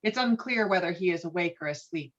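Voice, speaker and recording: A woman's voice: fairly low pitch, lively intonation, fairly quick. A woman reading stage directions as scripted narration, heard through muffled call audio.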